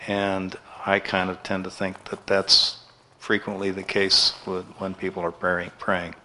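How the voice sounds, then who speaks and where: A man's voice: low-pitched, monotone, unhurried, bright, forceful tone, a little hiss or hum. A man in a lecture audience making a thoughtful, rambling remark. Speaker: audience member.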